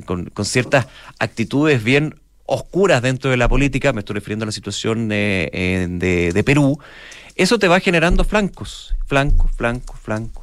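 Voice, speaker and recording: A man's voice: fairly low pitch, no echo, clean studio sound. Chilean man in rambling talk-radio commentary. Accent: Chilean Spanish. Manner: rambling, restarts often, thinks aloud. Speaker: radio show co-host. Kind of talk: morning news commentary.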